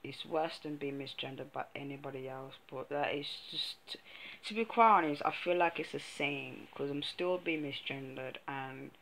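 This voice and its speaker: A young trans man talking frankly to camera in a casual vlog, often pausing with ums and restarting sentences. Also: medium pitch, creaky, bright, forceful tone, slight background noise, low-quality recording. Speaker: vlogger. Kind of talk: casual personal vlog talk.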